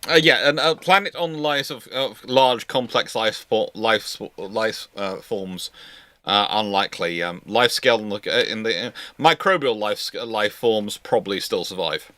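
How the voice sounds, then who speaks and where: A man with a fairly low voice and a bright, forceful edge, recorded close and dry. He talks casually as on a live stream, haltingly, circling back to repeat and restart phrases as he explains. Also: dry recording. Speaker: host of a live history Q&A stream.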